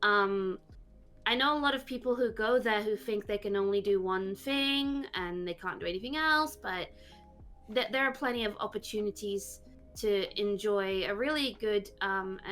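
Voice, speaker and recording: A woman VTuber being interviewed, talking casually and haltingly with lots of fillers. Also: mid-range voice, a bit bright, faint music behind. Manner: rambling, halting, many fillers. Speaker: VTuber guest.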